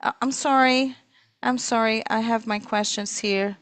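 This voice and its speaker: A woman interpreting live on a corporate earnings call, speaking in halting, piecemeal phrases. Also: a little high, fairly even intonation, a bit bright, no echo. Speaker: simultaneous interpreter.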